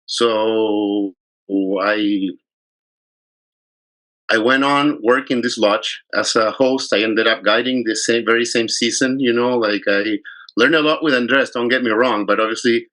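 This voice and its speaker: A man's voice: mid-range voice, measured pace, pushed and bright, low-quality recording. A man, a fly fishing guide telling his story in a casual interview, rambling and often restarting his sentences. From Chile.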